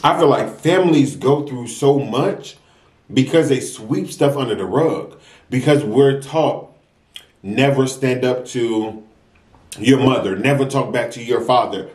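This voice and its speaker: The voice is a young American man with an average-pitched delivery, recorded in a roomy, echoing space. He chats casually to camera like a mukbang host. His advice comes out emphatic and a little preachy, leaning on repetition. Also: a little mellow. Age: young adult. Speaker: mukbang vlogger. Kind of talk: casual advice talk to camera while eating. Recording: roomy echo.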